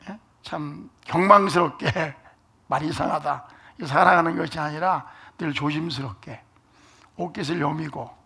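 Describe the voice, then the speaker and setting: A man's voice: a little high, vocal fry, bright, forceful tone, breathy edge. A middle-aged male pastor preaching a sermon, asking the congregation questions and dropping to near-whispers for emphasis. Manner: asks the congregation questions, calls for amens.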